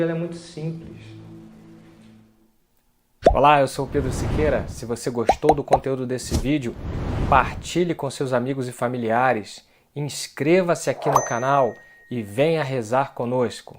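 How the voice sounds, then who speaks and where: Catholic host, male, animated storyteller, pitch jumps up when excited, roomy echo. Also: moderate pace, noisy background. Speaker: Catholic prayer channel host. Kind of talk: storytelling religious testimony. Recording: echoey room.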